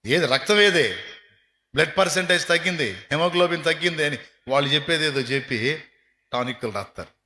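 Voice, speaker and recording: A man's voice: a little high, lively intonation, fairly quick, bright, forceful tone. A man preaching a sermon as a pastor, emphatic and acting out everyday dialogues. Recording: echoey reverberant hall.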